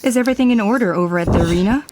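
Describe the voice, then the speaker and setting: A woman's voice: mid-range voice, racing, background noise, close to an everyday voice. A woman voicing a composed, welcoming female tribal elder in a game cutscene. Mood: calm. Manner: composed, hospitable.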